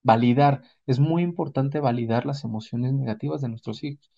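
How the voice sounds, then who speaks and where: A man with a Mexican accent speaks as a psychotherapist explaining things step by step. His voice is relaxed and warm at an average male pitch. He teaches through rhetorical questions and examples, and the sound is a little dull. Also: normal speed, gravelly. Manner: didactic, checks in with rhetorical questions. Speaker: psychotherapist giving a parenting talk. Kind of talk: explanatory talk with acted examples.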